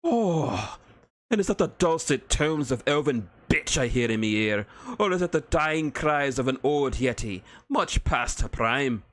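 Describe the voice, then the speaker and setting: A man voicing a gruff, bickering male dwarf with a rough, whiskey-soaked Irish-Scottish brogue. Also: medium pitch, lively intonation, unhurried, fairly bright tone, pitched above the performer's own voice. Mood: boisterous. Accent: Irish-Scottish put-on brogue. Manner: boisterous, bickering.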